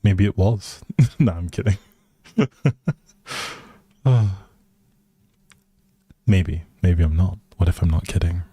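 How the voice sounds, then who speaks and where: Low, mellow-voiced man chatting on stream. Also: takes it slowly, pauses often, breathy edge, no echo. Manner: friendly rambling, thinking aloud. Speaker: live streamer playing a life simulation game. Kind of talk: casual gameplay chat with viewers.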